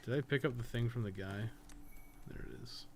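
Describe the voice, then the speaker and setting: A man streams a video game in an average-pitched voice, chatting casually with viewers. He swears and jokes as he plays, with clearly audible noise and game ambience behind him. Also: moderate pace. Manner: profane, joking. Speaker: live streamer, podcast co-host.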